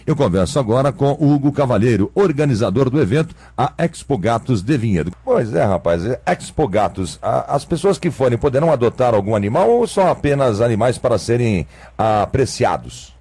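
A man's voice: mid-range voice, big pitch swings, fairly quick, dark tone, slightly rough, no echo. A man with a Brazilian Portuguese accent hosting a radio interview, chatty with jokey asides. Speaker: radio host.

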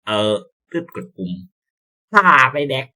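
A young man commentating as he plays a visual novel, excitable and swearing, sometimes stumbling over words. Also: a little slow. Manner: excitable, yelps and swears at scares; reads game lines aloud, stammering. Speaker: gameplay streamer. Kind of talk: casual let's-play commentary.

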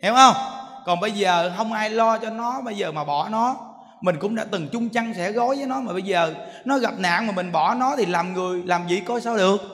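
A monk with a high, slightly bright voice gives a fairly quick sermon in a temple hall before an audience, joking as he tells stories and often putting rhetorical questions to his listeners. The hall is echoey.

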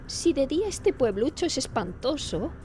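Woman as an anxious investigator, soft dark tone. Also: sits high, sing-song, moderate pace, slight background noise. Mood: tense, alarmed. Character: anxious, sensible female investigator. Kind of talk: audio drama acting.

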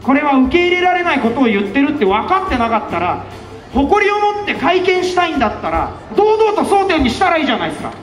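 A man giving an impassioned street campaign speech outside a station, rhetorical and fiery, often breaking into shouts. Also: very high-pitched, big pitch swings, fast. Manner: fiery, rhetorical, with repeated questions and bursts of shouting. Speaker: election campaign speaker. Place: outdoors in front of a busy station. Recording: echoey outdoor PA sound with faint music.

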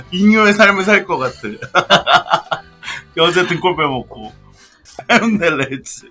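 A man's voice: sits high, animated, slow pace, bright, forceful tone, faint music behind. A man chatting casually on a livestream as co-host, playful and exclamatory, teasing and trying not to laugh as he talks. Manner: giggly, often talking through laughter. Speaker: livestream co-host and show performer.

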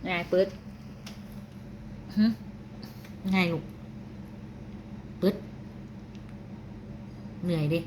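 A woman's voice: extremely slow, pauses often, warm tone, slight background noise. A woman filming her cats at home, chatting to them fondly and scolding them like children. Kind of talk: casual vlog narration. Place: home indoors.

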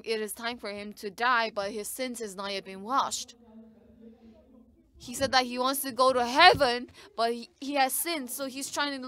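Woman, fairly high voice, live sermon interpreter, halting phrases, restarts. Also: fairly bright tone. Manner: short bursts with frequent restarts.

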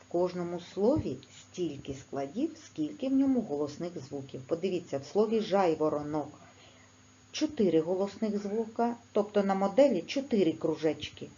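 Ukrainian woman teacher for a kids' video lesson, lowish voice, slow careful delivery, slightly dull recording with faint noise. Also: expressive, dark tone. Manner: slow, clear, instructive dictation. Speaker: primary school teacher.

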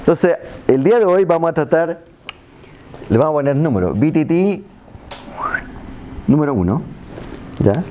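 A middle-aged man from Chile gives an expressive university lecture at normal speed in a fairly high voice, pausing often. He keeps checking in with the seated class, asking "¿ya?" after nearly every point and joking at his own expense. The seminar room has a projector, he speaks into a handheld mic filmed by a far camera, and the background is noisy.

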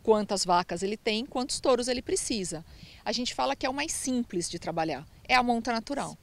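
A woman's voice: a little high, expressive, fairly quick, gravelly. A woman researcher explaining cattle breeding methods in an interview, often checking in with the listener. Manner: explanatory, uses tag "tá?".

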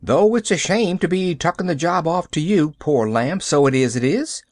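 A man's voice: on the high side, animated, normal speed, no room sound, studio quality, voice pushed up, natural voice. A man voicing a sour, gossipy country housemaid who grumbles in rustic dialect. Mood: sour grumbling.

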